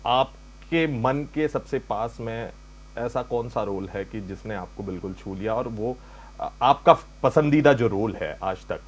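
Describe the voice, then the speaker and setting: A man's voice: medium pitch, measured pace. A man interviewing for a news channel, asking long, polite questions with frequent hesitation fillers. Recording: faint mains hum in background.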